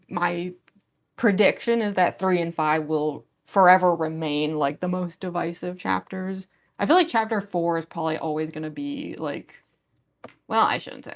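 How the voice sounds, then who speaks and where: A young woman with a gruff voice that is going hoarse, chatting casually with viewers on a livestream in a rambling way full of fillers. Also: low voice. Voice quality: gruff, smoker-like voice. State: losing her voice. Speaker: livestream artist. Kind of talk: casual chat with stream viewers.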